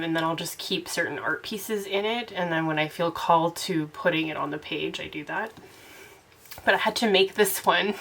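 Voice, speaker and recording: A woman's voice: fairly low pitch, a bit bright, a little hiss or hum. A young woman with a congested voice from a cold, chatting casually as host of her own channel. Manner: chatty, rambling, laughs often. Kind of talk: casual chat to camera.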